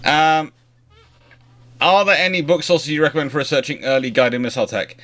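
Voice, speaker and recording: A man's voice: a little high, steady tone, brisk, fairly bright tone. A man hosting a live stream in a casual, chatty way, often rambling and breaking off mid-sentence. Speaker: livestream host answering naval history questions.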